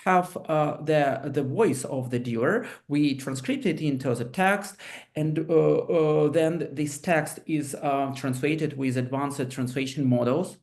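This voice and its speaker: A man's voice: a little high, takes it slowly, darkish tone. A man who is not a native English speaker, explaining technology on a webinar panel over a video call, hesitant and full of restarts. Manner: hesitant, many fillers and restarts.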